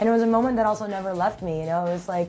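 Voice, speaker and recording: Over music in the background, a woman with a raspy voice and an American accent talks with fairly even intonation. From New York. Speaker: actress and comedian. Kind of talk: interview answer.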